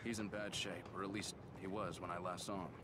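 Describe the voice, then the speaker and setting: Man acting a low-voiced weary horror game detective. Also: flat delivery, a little fast, close to an everyday voice. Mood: weary, concerned. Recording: quiet game audio under heavy ambient noise.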